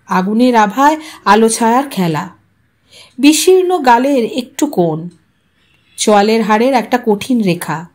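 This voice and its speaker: Lady reading an audiobook story, pretty high voice, expressive and dramatic. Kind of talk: dramatic literary short story narration.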